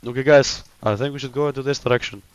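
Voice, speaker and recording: A man's voice: mid-range voice, steady tone, fast talker, clean tone, no echo, highs cut off. A man from Iceland streaming a shooter game, chatting casually with a teammate and playing dumb as a joke. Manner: joking, playing dumb, self-assured banter. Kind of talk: casual gaming chat.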